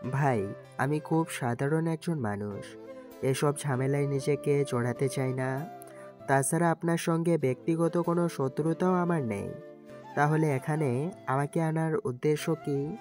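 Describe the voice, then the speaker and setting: A man's voice: a little high, unhurried, a little mellow, lightly acted. A man playing an anxious, ordinary college student in an audio story, earnest and pleading in his delivery. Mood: nervous. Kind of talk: Bengali audio story acting and first-person narration. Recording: music under the voice.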